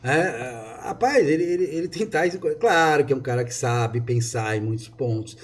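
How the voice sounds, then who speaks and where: A man's voice: medium pitch, animated, moderate pace. A man from southern Brazil with a gaúcho accent, talking in a rambling, emphatic way full of restarts during a casual conversation. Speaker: author and interviewee.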